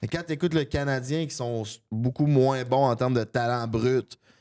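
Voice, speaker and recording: The pace is fairly slow. It is a plain, everyday voice with ordinary pitch variation. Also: man, very clean recording, silent background. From Quebec City. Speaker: podcast host, guest. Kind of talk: casual chat.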